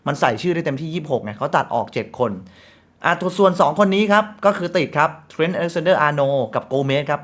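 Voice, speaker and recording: A man's voice: a little high, expressive, a bit bright. A man hosting a casual football news show, chatty and reading sponsor plugs between the news. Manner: chatty, reads sponsor ads quickly, frequent polite fillers.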